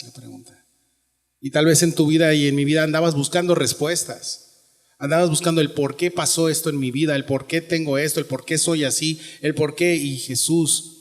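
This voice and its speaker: A man with a Mexican Spanish accent preaching a sermon in a church, earnest and conversational, often asking the listeners questions. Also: mid-range voice. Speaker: pastor. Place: church sanctuary. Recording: long hall reverb.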